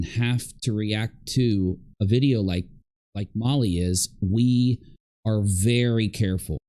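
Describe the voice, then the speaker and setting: A man's voice: medium pitch, mellow. A man with a mid-range voice hosts a casual online commentary stream. He addresses viewers directly, working through hypothetical questions in an informal, conversational way. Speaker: commentary livestream host. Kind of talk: casual reaction commentary to a live audience.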